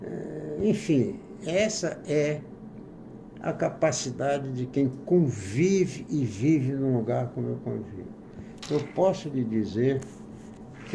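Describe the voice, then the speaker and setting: Somewhat breathy with a dark, mellow tone, the voice moves at a very slow pace through very wide pitch swings, with audible room echo. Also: man. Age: 90s. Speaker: lawyer and former constitutional rapporteur. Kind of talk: interview. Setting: office. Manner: halting, with repeated words.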